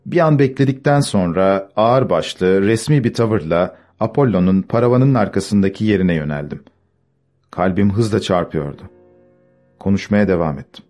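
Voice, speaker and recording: Low-voiced man narrating an audiobook. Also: moderate pace, a little mellow, soft background music. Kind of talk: scripted first-person narration.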